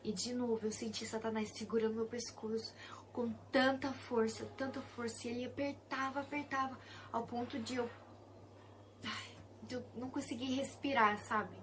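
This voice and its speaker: A young woman with a Brazilian Portuguese accent sharing a personal Christian testimony, soft and intimate, often sinking to a hushed whisper. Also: fairly high pitch, little pitch movement, moderate pace, a little hiss or hum.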